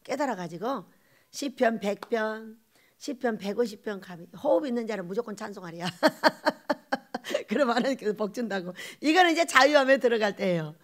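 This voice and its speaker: A woman pastor preaches with a high voice that swings widely in pitch. She presses her points with quick rhetorical questions and laughing asides. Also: animated. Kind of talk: sermon.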